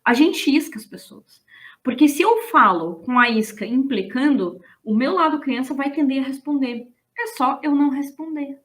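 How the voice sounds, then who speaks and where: A woman teaching in a casual, lively and blunt way, often slipping into acted quotes. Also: high voice, moderate pace, few pauses. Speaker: business coach. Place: indoors, streaming to an online audience.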